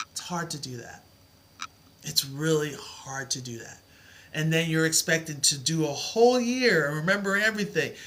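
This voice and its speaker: Bright-voiced encouraging woman tutor. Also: deep voice. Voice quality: soothing. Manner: encouraging, reassuring. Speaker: math tutor. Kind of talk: live-streamed math lesson.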